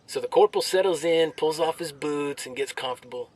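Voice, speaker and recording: An actor playing a brash, crude army soldier telling jokes with swaggering military banter and drawn-out delivery. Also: male voice, fairly high pitch, a little mellow, far from the mic, natural voice. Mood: cocky, joking. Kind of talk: military banter, performed joke storytelling.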